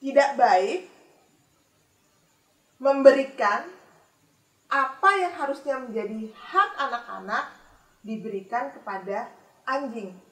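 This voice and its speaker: A woman voicing a calm male teacher speaking slow, measured words in a children's Bible story. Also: fairly high pitch. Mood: stern. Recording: echoey room from a distance.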